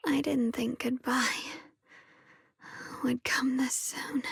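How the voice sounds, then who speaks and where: A woman's voice: high-pitched, level tone, takes it slowly, gravelly, breathy edge, full character voice. A woman playing a young, protective, self-sacrificing female sword fighter in an anime-style video game. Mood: faint, fading.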